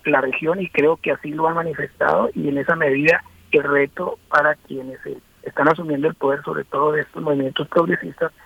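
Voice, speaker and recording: A man analyzing politics as a radio interview guest, thinking aloud with many pauses and restarts. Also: fairly high pitch, breathy edge, no echo. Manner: thoughtful, many hesitations and restarts. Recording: tinny phone line, dry.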